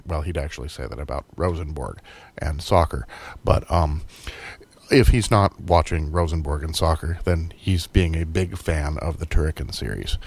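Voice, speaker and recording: A man hosting a casual radio show, rambling with dry jokes while losing his voice. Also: low voice. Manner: rambling, dry joking, many hesitations. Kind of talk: casual chat.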